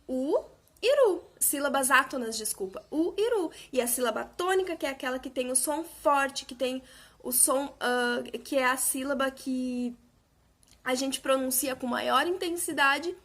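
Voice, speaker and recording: A woman teacher with a high voice records a lesson for young pupils. She speaks patiently and draws out example words slowly, hitting the stressed syllable hard. Her tone stays simple and encouraging, aimed at children. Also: pushed and bright. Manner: slow, patient, exaggerated syllable emphasis. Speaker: primary school teacher.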